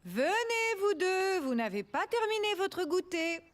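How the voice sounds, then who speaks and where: A cheerful young children's-cartoon mother. Her voice sits very high and moves in lively swings, kind and encouraging throughout. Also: a little slow, exaggerated voice. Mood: calling. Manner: affectionate, encouraging.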